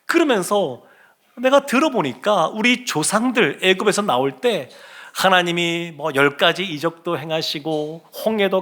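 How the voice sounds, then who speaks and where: A man's voice: sits high, fairly bright tone. A man, a pastor, preaching a sermon and acting out the words of the people he quotes. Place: church sanctuary.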